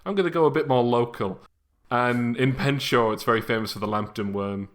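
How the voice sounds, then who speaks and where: A man's voice: mid-range voice, brisk. A man chatting casually as a podcast host, with a wry, self-deprecating manner. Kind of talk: casual chat.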